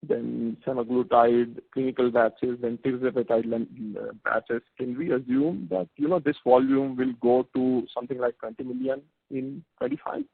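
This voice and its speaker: A man asking questions as an analyst on a conference call, polite and halting, often repeating words. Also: medium pitch, steady tone, creaky, slightly rough, dry recording. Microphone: phone handset. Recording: tinny narrow phone line.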